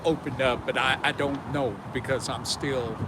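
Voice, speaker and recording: A man's voice: mid-range voice, fairly even intonation, moderate pace. A man in his fifties chatting casually and tentatively, circling back over his phrases as he goes. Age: 50s. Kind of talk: casual conversation. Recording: distant mic, loud outdoor wind and traffic.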